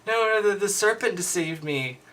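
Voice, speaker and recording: A man's voice: sits high, expressive, normal speed, a bit bright, voice pushed up. A man voicing a mocking caricature of whiny, excuse-making Bible characters, exaggerated and sarcastic. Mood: whiny blaming.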